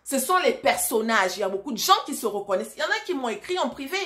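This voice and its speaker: A woman from Africa delivers a casual vlog monologue, speaking straight to her viewers. Her voice sits a little high, and she is blunt and emphatic, firing rhetorical questions at her audience. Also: very animated, fast talker, sharp tone. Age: adult, married mother. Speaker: vlogger and storyteller.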